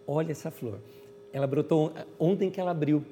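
A man voicing a calm, gentle teacher who softly coaxes a listener to look at nature. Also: sits high, moderate pace, big-room sound, slight background noise. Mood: coaxing. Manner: soft, coaxing, repeating invitations.

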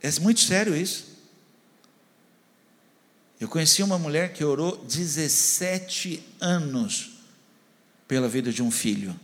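A man preaching as a pastor, in a voice pitched a little above the usual. He tells his story in an animated way, acting out the voices of the people in it. Long reverb fills the hall around him. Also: measured pace, long pauses. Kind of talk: sermon.

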